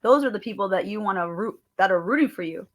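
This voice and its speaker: A woman's voice: mid-range voice, animated, quick pace. A middle-aged woman talking in an emphatic, motivational way as a guest in a casual interview. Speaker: guest author and grief recovery speaker.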